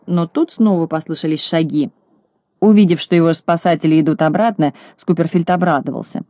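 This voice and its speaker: Dry, even audiobook narrator. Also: mid-range voice, brisk, dry recording. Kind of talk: scripted narration.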